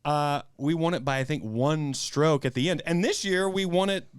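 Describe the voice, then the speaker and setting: A man's voice: on the high side, normal speed, clean tone. A man co-hosting a comedy podcast, telling rambling self-mocking stories and laughing often. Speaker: podcast co-host. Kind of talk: casual comedic chat.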